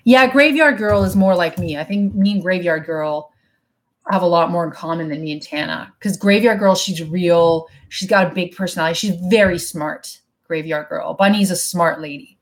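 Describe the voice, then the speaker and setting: Answering her live chat, a thirty-something vlogger talks casually and candidly from her apartment living room, dropping the occasional swear word. She has a lowish voice and a moderate pace. The sound comes through a webcam mic at her desk.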